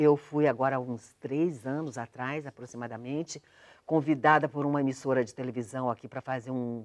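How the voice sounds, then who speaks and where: The speech moves at a moderate pace with ordinary pitch variation and a dry, close sound with no echo. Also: woman. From Brazil, Curitiba. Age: 60s. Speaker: TV news presenter and singer. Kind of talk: interview.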